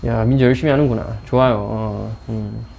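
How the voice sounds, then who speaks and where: A man teaches a math class in a lecture style, teasing and joking with his students and talking straight to them in a chatty way. His voice is on the low side, gravelly and darkish, with a steady tone and moderate pace, and there's slight background noise.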